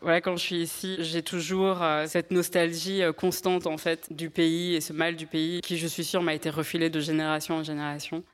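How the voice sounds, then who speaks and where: A woman's voice: low-pitched, flat delivery, moderate pace, few pauses, in a large hall, faint music behind. A woman from Strasbourg speaking candidly and hesitantly as a podcast guest, in a wistful tone. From Strasbourg, France. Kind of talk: personal testimony in a podcast conversation.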